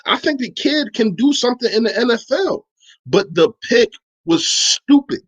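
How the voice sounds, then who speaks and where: A man's voice: very high voice, sing-song, moderate pace, slightly rough. Emphatic, slangy man debating football. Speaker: sports podcast host. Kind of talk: casual sports talk, reacting to live chat.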